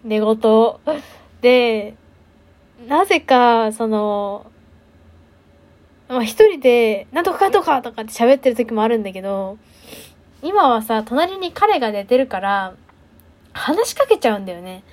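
A woman's voice: on the high side, animated, unhurried, long pauses, darkish tone. A young woman hosting a solo talk show, chatting casually and self-deprecatingly with lots of fillers. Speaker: podcast host.

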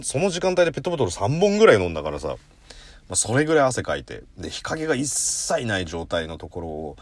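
Animated slangy man talking solo. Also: low voice, no room sound. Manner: rough slangy storytelling with playful self-mockery; animated, jumps into acted-out voices. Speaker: podcast host. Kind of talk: casual solo talk monologue.

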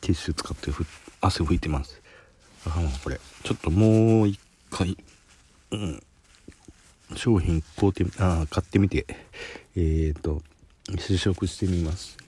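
Low husky Kansai man chatting. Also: a little slow, long pauses, mellow. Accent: Kansai Japanese. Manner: chatty, self-deprecating, sniffling while eating spicy food. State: sweating and runny nose from spicy food. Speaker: solo podcaster. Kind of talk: casual solo talk, food review.

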